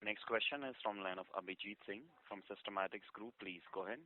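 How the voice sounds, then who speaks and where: A male moderator announcing the next questioner on a conference call in a brisk, formulaic way. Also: on the low side, no echo. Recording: faint noisy phone line.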